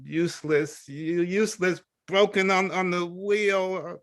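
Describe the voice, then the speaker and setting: A man's voice: high voice, fairly even intonation, takes it slowly, no room sound, studio quality. A man playing a bitter, suffering brother of thirty, grave and brooding, in a stage play reading. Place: video call play reading.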